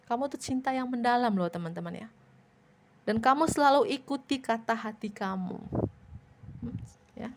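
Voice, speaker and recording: A woman reading tarot cards for her viewers, speaking gently and directly to the listener with a repeated "ya". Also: fairly high pitch. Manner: addresses viewer directly, repeats tag "ya" often. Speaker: tarot reader.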